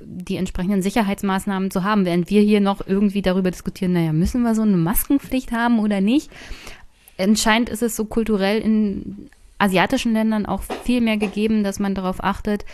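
Podcast-Gastgeberin, die Clips ansagt. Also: female voice, mid-range voice, a little mellow. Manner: leads the conversation and introduces clips. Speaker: podcast host. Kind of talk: casual podcast conversation.

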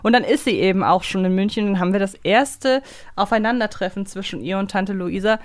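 A woman's voice: mid-range voice, fairly quick, dry recording, clean studio sound. A young adult woman co-hosting a podcast in a casual, reflective, conversational way. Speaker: podcast co-host. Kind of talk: casual fan podcast chat.

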